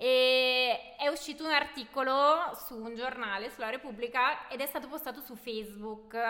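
A raised, projected voice moves at a moderate pace with hardly any pauses, fairly even intonation, and big swings in loudness. Noticeable background noise runs underneath. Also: woman, high pitch for a woman. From Italy, not Milan. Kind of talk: casual chat. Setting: studio.

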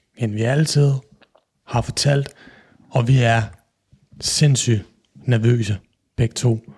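Somewhat breathy, this man's voice sits at medium pitch with a dark, mellow tone. His intonation stays fairly even. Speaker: psychologist and author. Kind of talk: casual interview chat.

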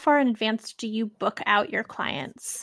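Speaking at a fairly slow pace in a Californian accent, a woman uses lively intonation, recorded with a dry, close sound and no echo. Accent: Californian American. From US, San Francisco Bay Area. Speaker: podcast host and entrepreneur. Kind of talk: casual interview chat. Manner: animated.

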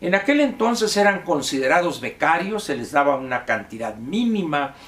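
This man's high-pitched voice swings very widely in pitch. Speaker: political commentator, former activist. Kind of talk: video monologue on history. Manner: halting, frequent fillers and repetitions.

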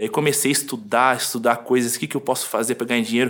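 Music plays behind a man who speaks with fairly even intonation. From interior of São Paulo state, Brazil. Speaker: social media page owner and entrepreneur. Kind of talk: casual interview.

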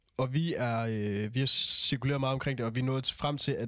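A man's medium-pitched voice at a moderate pace, an ordinary speaking voice with fairly even intonation. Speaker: podcast co-host. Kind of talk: casual chat.

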